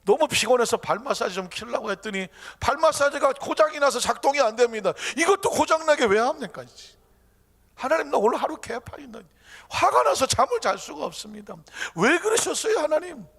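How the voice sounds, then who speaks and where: A man's voice: extremely high pitch, brisk, hardly any pauses, fairly bright tone, pitched above the performer's own voice. A pastor acting out a frustrated Christian man who is complaining to God about his day. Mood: aggrieved. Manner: indignant, whiny protesting. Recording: long reverb of a church hall.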